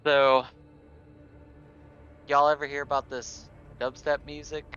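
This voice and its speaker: Bright, crisp-voiced man bantering in a game. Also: on the high side, level tone, slow, highs cut off, faint music behind. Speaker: tabletop game player. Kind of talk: casual in-character banter.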